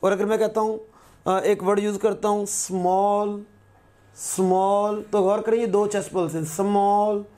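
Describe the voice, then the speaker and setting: Mellow-voiced male grammar teacher. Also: high voice, level tone. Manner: patient, repeats words slowly as examples. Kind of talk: recorded lesson.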